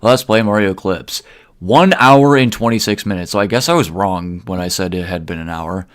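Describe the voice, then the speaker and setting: A young man chatting casually to his stream while gaming, rambling and restarting his sentences. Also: deep voice. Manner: rambling, halting, with repeated restarts.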